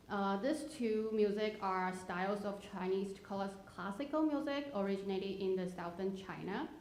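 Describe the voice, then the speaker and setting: Woman from Taiwan presenting in a roomy hall. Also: medium pitch. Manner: explanatory, with frequent "uh" and "so". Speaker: theater producer presenting a slideshow. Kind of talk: live presentation to an audience. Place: theater auditorium at a live event. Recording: roomy hall sound with faint noise.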